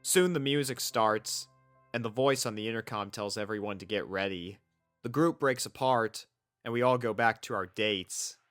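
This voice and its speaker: A man's voice: lowish voice, moderate pace, fairly bright tone, soft background music. A man reading a first-person story as scripted narration, in an earnest, sentimental manner. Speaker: fan fiction reader.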